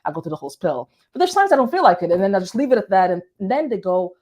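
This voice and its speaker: A woman with a light, hard-to-place foreign accent that carries a hint of British, speaking straight to her viewers. Her delivery is conversational and story-driven, as she gives business advice as a marketing strategist. Her voice sits at a middle pitch for a woman. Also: very animated, quick pace, a little mellow, highs cut off. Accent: light hard-to-place foreign accent with some British touches. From Portugal. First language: Portuguese. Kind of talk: business advice talk to camera.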